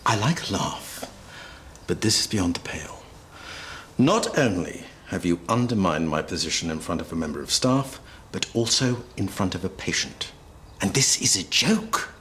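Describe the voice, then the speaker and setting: A wordy, self-important British doctor in a TV drama. His voice is bright and forceful, and his delivery swings about with theatrical flourish. There is faint noise behind him. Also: medium pitch, big pitch swings, moderate pace. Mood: pompous, indignant. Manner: theatrical, mock-indignant, wordy. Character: pompous, jokey new male doctor at a surgery. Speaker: actor playing a doctor. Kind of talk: naturalistic TV drama acting.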